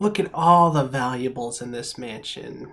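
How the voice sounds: A man uses a put-on character voice. It sits at a medium pitch and moves at a moderate pace.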